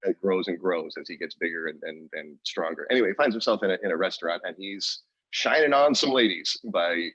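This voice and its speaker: Deep husky rambling male podcaster. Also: fairly quick, hardly any pauses, a bit bright, no echo, highs cut off. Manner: rambling storytelling with many restarts and fillers. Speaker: podcast co-host. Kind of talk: casual chat.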